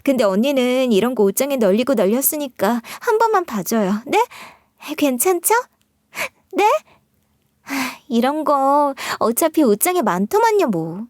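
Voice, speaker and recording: A woman's voice: sits high, big pitch swings, measured pace, darkish tone, no echo, clean studio sound, pitched above the performer's own voice. A woman voicing a brazen, whiny young sister-in-law. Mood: wheedling. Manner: wheedling, pouty, defensive.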